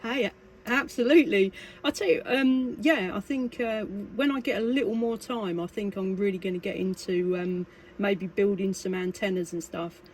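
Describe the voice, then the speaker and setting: A British woman, an amateur radio operator, chats casually in a hesitant, rambling way. Her voice is medium-pitched and darkish at a normal speed, heard on a clearly noisy amateur recording with radio hiss and background noise.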